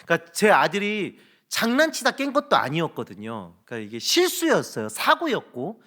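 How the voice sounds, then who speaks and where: A male pastor in his thirties preaching in a church. His voice sits high and rings bright. He swings his pitch widely as he tells stories and asks rhetorical questions. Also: a little fast. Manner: animated storytelling with rhetorical questions. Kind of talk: sermon.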